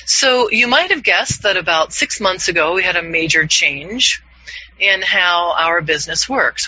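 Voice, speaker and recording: A man in his fifties, a voiceover coach leading an online class, upbeat and quick to laugh. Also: sits high, pushed and bright, a little hiss or hum. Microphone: video call. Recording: dull, lo-fi video call audio.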